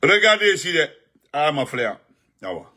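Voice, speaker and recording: A man, giving animated live-stream political commentary and greeting viewers, repeating himself and jumping up in pitch when he stresses a point. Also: moderate pace. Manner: excited, repetitive, pitch jumps up sharply when emphatic.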